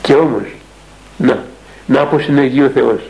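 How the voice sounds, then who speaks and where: Gravelly-voiced older monk telling a story. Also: male voice, mid-range voice, darkish tone, poor audio. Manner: rambling, earnest, with many fillers and restarts. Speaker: monastic elder and spiritual father. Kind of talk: storytelling in a radio interview.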